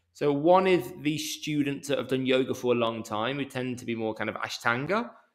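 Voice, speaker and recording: Using ordinary pitch variation, a man with a British accent talks at a medium pitch. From England, Birmingham. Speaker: yoga teacher. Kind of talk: interview conversation. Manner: halting, many false starts.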